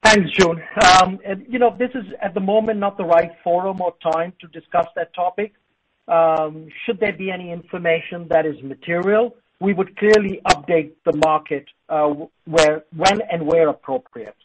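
A male company executive with a high-pitched voice answers in a guarded, formal way on an earnings call. The line is very noisy, with clicks. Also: normal speed, lo-fi sound.

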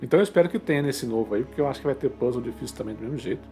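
A man's voice: mid-range voice, expressive, rapid-fire, mellow, faint music behind. A Brazilian man co-hosting a podcast, chatting in an informal, colloquial way about games. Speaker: podcast co-host. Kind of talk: casual chat about video games.

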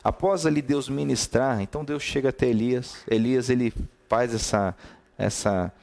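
A man's voice: mid-range voice, fairly even intonation, normal speed, creaky, darkish tone. Brazilian man preaching casually. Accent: Brazilian Portuguese. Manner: conversational, greets viewers by name between points; repeats key words in lists. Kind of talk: live-streamed devotional talk.

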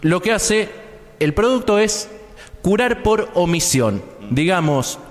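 A man's voice: high voice, very animated, takes it slowly, in a large hall, faint music behind. A man co-hosting a live radio show, lecturing in a playful mock-expert manner and checking in with "¿sí?". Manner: mock-lecturing, explains step by step with frequent "¿sí?". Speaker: radio co-host giving a mock health segment. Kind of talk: comic live radio chat. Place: radio studio.

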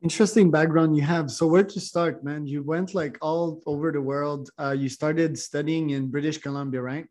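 Upbeat male podcast host, slightly high. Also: fairly even intonation, moderate pace, few pauses, a little mellow. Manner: informal, upbeat questioning. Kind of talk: casual podcast interview.

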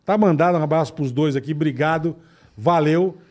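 A man's voice: on the high side, brisk, darkish tone. A man with a Brazilian accent co-hosting a casual live show, chatting and giving plugs. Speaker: co-host reading sponsor plugs.

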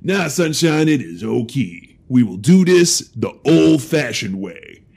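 Ziggy, a slow gravelly troll. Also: male voice, medium pitch, very animated, a little mellow, full character voice. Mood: easygoing, reassuring. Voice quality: gravelly, husky. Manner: folksy broken grammar, third-person self-reference. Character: big male troll shadowrunner philosopher, friendly, simple-spoken. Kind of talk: cyberpunk audio drama acting.

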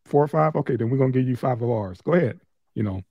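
A man co-hosting a casual podcast chat, loose, profane and quick to laugh. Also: medium pitch, lively intonation, dry recording, dull audio. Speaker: podcast co-host.

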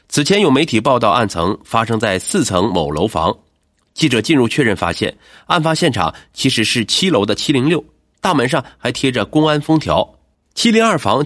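A man's voice: mid-range voice, fairly bright tone, no echo, studio quality. A man reading scripted true crime narration as a dramatic storyteller in a news-report register.

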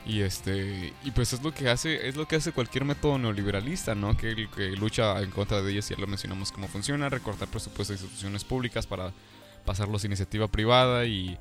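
A young man with a Mexican accent co-hosting a casual podcast chat, talking in slangy, animated bursts. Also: on the low side, fairly quick, soft background music. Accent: Mexican Spanish. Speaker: podcast co-host.

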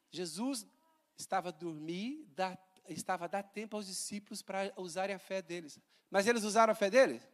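A male pastor preaches in a church. He is animated and conversational, throwing in jokes and rhetorical questions. His voice is high for a man and swings widely in pitch. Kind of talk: sermon.

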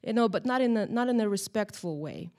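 A woman leads a church Bible lesson. She talks in a chatty, lively way and keeps checking in with her listeners. Her voice sits at an ordinary middle pitch for a woman. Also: fairly quick. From Moldova. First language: Russian or Romanian. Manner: chatty, animated, tag questions. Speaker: Bible study teacher. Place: church room, in front of a group.

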